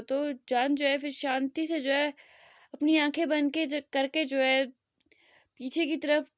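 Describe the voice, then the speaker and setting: A woman with a high, clear voice retells a love story in a loose, chatty way. She rambles and restarts, padding lines with fillers, recorded close and dry with no room sound. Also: dry recording. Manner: rambling, with many fillers and self-corrections.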